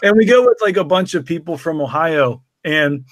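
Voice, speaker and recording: A man hosting a podcast, chatting casually and telling anecdotes in a joking, animated way. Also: a little high, normal speed, no echo. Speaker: podcast host.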